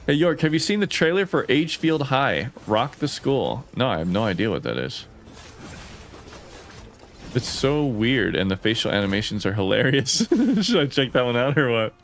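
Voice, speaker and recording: Animated bro-talking man streaming games. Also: mid-range voice, moderate pace. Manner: bro-ish slang, excitable frat-bro delivery; animated reactions with frequent laughing and swearing. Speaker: live streamer and game animator. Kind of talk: casual live-stream commentary over game footage.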